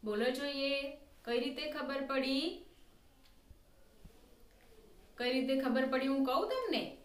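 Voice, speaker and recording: A woman's voice: high voice, normal speed, reverberant. A woman teacher telling a story to children, asking them questions and repeating each line.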